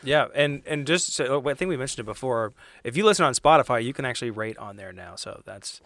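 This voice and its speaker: A man's voice: mid-range voice, lively intonation, brisk, a bit bright, dry recording. A man chatting casually as a podcast host and tabletop player, friendly and upbeat.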